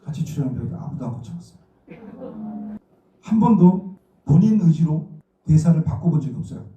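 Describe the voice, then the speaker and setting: A middle-aged stage actor from Daegu, South Korea, speaking with a Daegu accent, gives an informal lecture packed with personal stories, acting out remembered dialogue. His voice is on the high side, expressive, a bit fast and dark-toned, captured from a distance in an indoor lecture room that sounds muffled and echoey.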